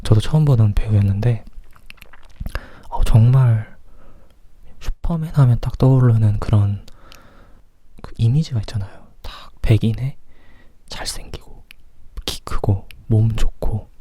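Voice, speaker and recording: A man from South Korea whispering softly and close to the mic in an informal ASMR movie chat, sometimes thinking aloud. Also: on the low side, measured pace, long pauses, slightly rough, no room sound. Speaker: movie review host. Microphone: close microphone.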